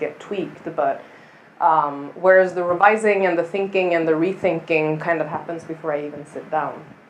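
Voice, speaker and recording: A woman with a Swedish accent speaks at a moderate pace in a fairly low voice. Noticeable background noise can be heard. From Sweden. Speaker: professor on writing panel. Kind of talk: panel discussion.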